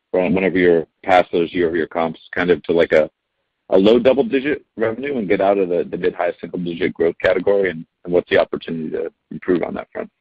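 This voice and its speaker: A man's voice: low-pitched, slightly rough. A man working as a financial analyst, asking wordy, hedging questions on a muffled conference call. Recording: muffled, echoey phone conference line.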